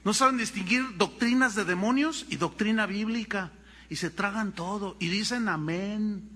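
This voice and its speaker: Brief: Mexican man, pastor, lively sermon storyteller, high bright voice. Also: moderate pace, in a large hall. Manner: animated storytelling, addresses congregation as brothers.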